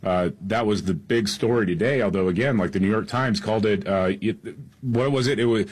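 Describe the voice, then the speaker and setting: Low husky radio guy going over the news, lots of uhs. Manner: halting, filler-heavy recap. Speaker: radio show co-host. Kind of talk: casual talk radio, reading news.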